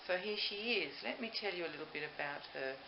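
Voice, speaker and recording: An older woman, a doll maker hosting her own video, gushes and rambles to camera in a casual home recording. Her voice is on the low side, gravelly, expressive, and fairly quick. The audio is roomy, muffled, and noisy.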